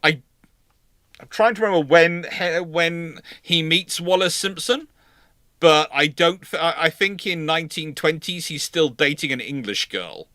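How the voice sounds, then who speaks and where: Male history host, forceful and slightly high-pitched, informal, self-correcting, given to emphatic repetition. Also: unhurried, no echo, clean studio sound. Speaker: host of a live history discussion. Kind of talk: informal live discussion of history.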